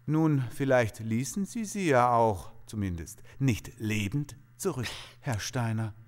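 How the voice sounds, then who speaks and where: A man acting a suspicious police detective in a crime audio play. He speaks at a middle pitch, dryly insinuating and provoking as he questions. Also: expressive, measured pace, lightly acted. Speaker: police investigator. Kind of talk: crime radio drama acting.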